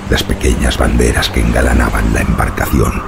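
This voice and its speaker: A man narrating a horror audiobook in a gravelly voice, with slow, ominous, dramatic delivery. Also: very deep voice, little pitch movement, loud music behind the voice.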